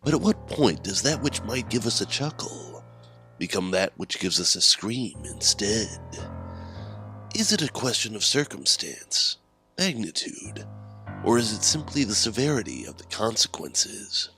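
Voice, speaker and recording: A man hosting a horror anthology, introducing stories in scripted, theatrical and measured narration. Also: lowish voice, big pitch swings, creaky, sharp tone. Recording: music under the voice.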